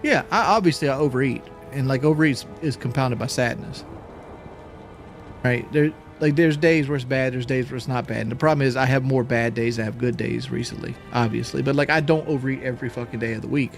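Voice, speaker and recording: A man's voice: medium pitch, a little fast, gravelly. Man, live-stream chat, out of breath, restarts and swears, home setup, faint background music. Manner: rambling, repeats words, swears casually. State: out of breath after a workout.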